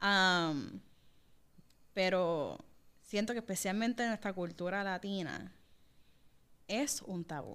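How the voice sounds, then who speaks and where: In a very clean recording with a silent background, a woman speaks at a very slow pace with long, frequent pauses. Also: medium pitch for a woman, ordinary pitch variation. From Puerto Rico, Bayamón. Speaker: marketing executive and content creator. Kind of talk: casual chat.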